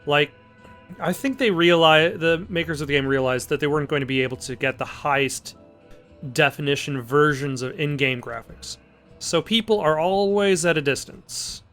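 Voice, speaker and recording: His voice a little high and a bit bright, a man comments on gameplay at a moderate pace in a casual let's play. Dry, joking asides come throughout, with game music behind him.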